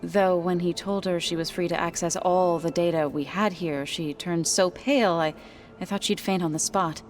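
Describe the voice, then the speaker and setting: A woman playing a calm, loyal tribal companion in a video game, measured and gently amused. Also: fairly low pitch, close to an everyday voice. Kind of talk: video game cutscene acting. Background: faint music.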